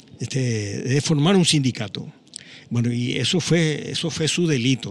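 Speaking very slowly with a Paraguayan accent, a man uses lively intonation. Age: 80s+. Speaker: actor and former political prisoner. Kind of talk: testimony. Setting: at his home.

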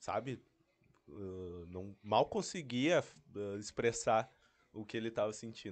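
With long, frequent pauses and a very slow pace, a man speaks at a fairly low pitch with ordinary pitch variation and big swings in loudness. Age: 30s. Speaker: comedian. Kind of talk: casual chat.

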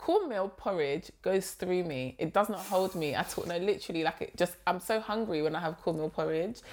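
A woman with a London accent speaks at a medium pitch with ordinary pitch variation. Her pace is fairly quick, with hardly any pauses. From England, Wolverhampton (West Midlands). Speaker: podcast co-host. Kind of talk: casual chat.

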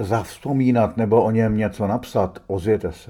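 This man's voice has a dark, mellow tone and sits at a fairly low pitch. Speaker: podcast host, former radio presenter. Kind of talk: scripted narration; interview. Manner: declamatory.

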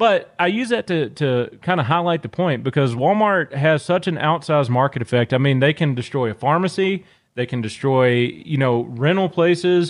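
A man with a Southern US accent talks at a moderate pace, hardly pausing, with a fairly high pitch and lively intonation. The background is quiet. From Northeast Louisiana. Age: 20s. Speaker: podcast host. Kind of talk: casual interview conversation. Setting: phone call.

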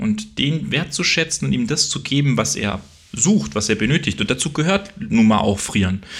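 Here a man talks at a moderate pace with a medium pitch. Vocal fry runs through his voice, which swings very widely in pitch. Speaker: podcast co-host. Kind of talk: casual chat.

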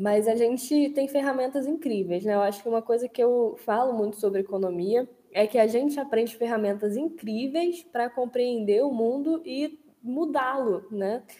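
A woman with a high pitch speaks at a moderate pace with hardly any pauses. Her pitch varies in an ordinary way. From Petrópolis, Rio de Janeiro state, Brazil. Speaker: economics student. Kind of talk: casual interview.

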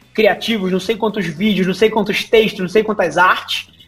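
Over music in the background, a man speaks in a Carioca accent at a moderate pace. His pitch is high and his intonation is monotone and flat. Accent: Carioca (Rio de Janeiro) Portuguese. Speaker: marketing agency founder. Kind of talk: casual interview. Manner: hesitant repetitions.

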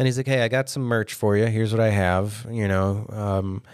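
On a very clean recording with a silent background, a man with a fairly low pitch talks at a fairly quick pace in a plain, everyday voice. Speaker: podcast host. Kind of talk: casual banter.

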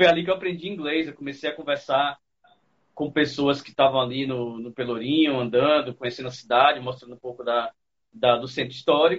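A man with an unremarkable speaking voice talks at a fairly quick pace and a fairly high pitch. His intonation stays fairly even while his loudness swings widely. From Brazil, Salvador (Bahia). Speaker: entrepreneur and diversity consultant. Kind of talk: interview. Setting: video call.

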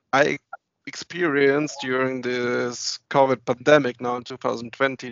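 A man's ordinary speaking voice at a fairly slow pace. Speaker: corporate employee resource group leader. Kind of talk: panel discussion.

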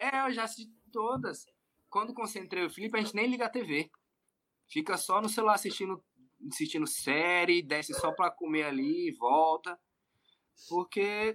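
A man's high, bright, sharp voice with lively intonation, at a moderate pace with long, frequent pauses. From Brazil, Brasília. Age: 20s. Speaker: football goalkeeper. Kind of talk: podcast interview.

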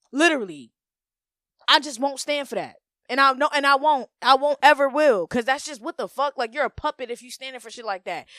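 A woman with a high pitch speaks in a raised, projected voice with a bright, sharp tone, animated delivery, ordinary pitch variation, big swings in loudness and a fairly quick pace, on a very clean recording with a silent background and a dry, close sound with no echo. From Haitian-American, US. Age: 20s. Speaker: podcast host, content creator. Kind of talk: casual solo monologue.

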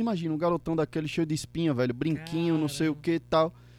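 Music plays in the background while a man with a high pitch speaks, the sound dry and close with no echo. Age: 30s. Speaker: entrepreneur. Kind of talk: casual interview chat.

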